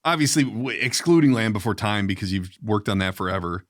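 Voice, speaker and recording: A man hosts a casual interview. His pitch moves around in a lively, animated way as he puts questions loosely and informally, with colloquial phrasing. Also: fairly quick. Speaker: podcast host, interviewer.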